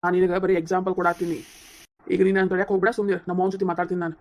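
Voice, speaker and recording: A woman's voice: fairly low pitch, little pitch movement, racing, a little mellow, close to an everyday voice. A woman voicing a heated young husband in a cartoon comedy, scolding and lecturing insistently, with a North Karnataka Kannada accent. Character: heated young husband defending his wife against his mother.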